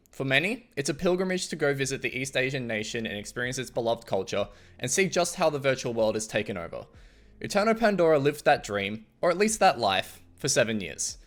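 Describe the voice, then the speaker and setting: A man's voice: mid-range voice, fairly bright tone. Man hosting an interview show. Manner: friendly, scripted opening then loose questions. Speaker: show host.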